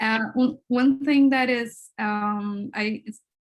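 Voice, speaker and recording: A woman speaks with fairly even intonation. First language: not Spanish (speaking Spanish). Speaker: researcher. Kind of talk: Q&A in online talk. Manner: halting.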